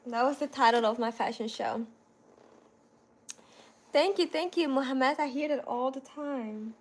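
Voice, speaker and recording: A woman in her thirties talks casually to her viewers. Her voice sits a little higher than most women's. She keeps a loose, chatty flow, full of "like" and "you know". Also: measured pace. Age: 30s. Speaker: content creator. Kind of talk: casual livestream chat answering viewers.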